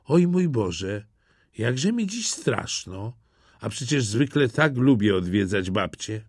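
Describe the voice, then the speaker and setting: A man voicing an innocent, trusting little girl in a red hood, in a high, sweet storybook voice. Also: big pitch swings, slow, breathy edge, dry recording, clean studio sound, heavily acted. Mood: wondering.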